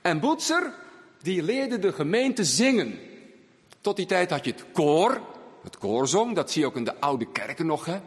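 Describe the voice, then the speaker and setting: A man preaching a sermon in a church, swinging between raised emphasis and hushed, low phrases. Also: very animated, measured pace, husky. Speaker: pastor. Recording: long church reverb.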